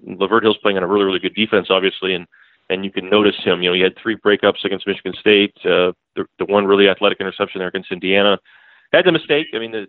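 A man's voice: lowish voice, dry recording. Man talking football over a tinny phone. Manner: fast, rambling, lots of restarts and fillers. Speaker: sports beat writer guest. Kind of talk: casual sports analysis. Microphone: phone call. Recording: tinny dry phone line.

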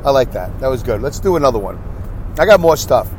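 A man's voice: medium pitch, big pitch swings, fast talker, poor audio. A stuffy-nosed man hosting his own podcast, chatting casually and self-deprecatingly while driving in traffic. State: congested, stuffy nose. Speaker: podcast host. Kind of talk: solo rambling podcast monologue.

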